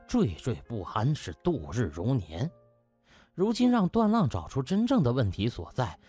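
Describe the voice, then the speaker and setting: A man's voice: medium pitch, mellow, slightly rough. A man narrating a novel as an audiobook in a dramatic storytelling style.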